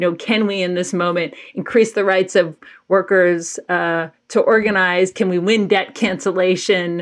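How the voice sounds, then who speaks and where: A woman with an American accent and a plain, everyday voice speaks at a moderate pace with medium pitch and fairly even intonation against a quiet background. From US South, Athens, Georgia. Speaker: activist and writer. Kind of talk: interview conversation.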